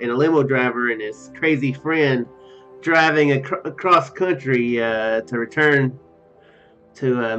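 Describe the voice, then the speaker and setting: A man's voice: mid-range voice, a bit bright. Man, young adult, game streamer, reads on-screen text aloud, rambling hesitant asides, dull lo-fi mic, music behind. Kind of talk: let's play commentary, reading game text aloud. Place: indoor room at home. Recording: dull, lo-fi microphone sound.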